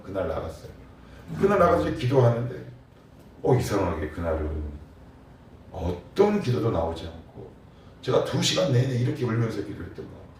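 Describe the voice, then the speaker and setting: Pastor preaching in an echoey church. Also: male voice, deep voice, a little mellow. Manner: conversational, asks the congregation questions. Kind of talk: sermon. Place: church sanctuary. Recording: echoey church from a distance, faint background hum.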